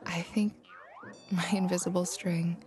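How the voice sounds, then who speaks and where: A woman playing an affectionate, giddy girlfriend in an intimate audio roleplay, speaking softly and tenderly. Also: lowish voice, little pitch movement, measured pace, music in the background, close to an everyday voice. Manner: soft, tender, breathy, giggly. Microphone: close microphone, dry room.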